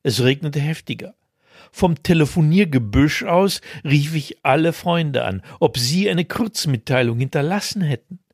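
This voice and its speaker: A man reads his comic story in a dry, self-mocking tone and then slips into casual chat. His voice sits somewhat high for a man. The recording is close and dry, with little room sound. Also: animated, normal speed, no echo. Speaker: podcast co-host. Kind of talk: reading his own humorous column, then casual chat.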